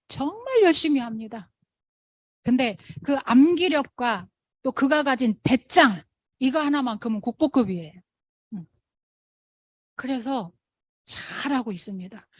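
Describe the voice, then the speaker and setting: Lively woman telling stories to a crowd. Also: fairly high pitch, slightly rough, no room sound. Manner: animated, acts out quoted people in raised voice. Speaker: motivational speaker at a sales meeting. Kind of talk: storytelling talk to an audience.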